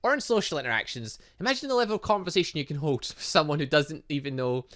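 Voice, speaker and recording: A man's voice: fairly high pitch, expressive, quick pace, a bit bright. Man reading as cheeky, blunt schoolgirl Evelyn. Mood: blunt, teasing. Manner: teasing, lecturing. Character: cheeky, blunt young female student hunter, Evelyn.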